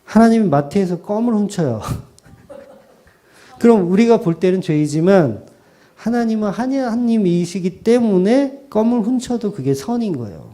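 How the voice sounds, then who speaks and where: Animated high-voiced male pastor preaching. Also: unhurried. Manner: animated preaching, quoting imagined voices with sudden drops to soft asides; asks the congregation questions. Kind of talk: expository sermon.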